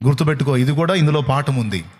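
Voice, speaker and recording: A man preaching a sermon at a night prayer service, asking rhetorical questions and swinging his pitch widely for emphasis. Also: fast talker, darkish tone. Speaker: pastor. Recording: long hall reverb.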